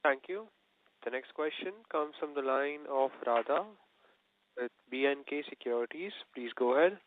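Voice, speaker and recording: A man's voice: mid-range voice, moderate pace. A man moderating a conference call, formally announcing the next questioner. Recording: dry, muffled conference call line.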